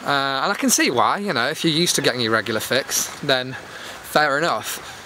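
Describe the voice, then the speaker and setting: A man's voice: mid-range voice, lively intonation, moderate pace, bright, forceful tone, rough recording. A man chatting casually to his viewers in a rambling, self-deprecating vlog, talking into a handheld camera as he walks outdoors. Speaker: YouTube host. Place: outdoors, walking in a public area. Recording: clear outdoor background noise while walking.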